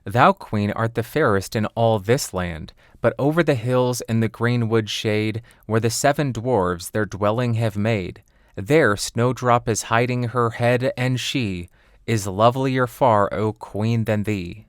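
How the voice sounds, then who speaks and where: A man voicing a solemn, truthful magic looking glass, reciting verse in a measured, formal way. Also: lowish voice, no room sound, studio quality, close to an everyday voice.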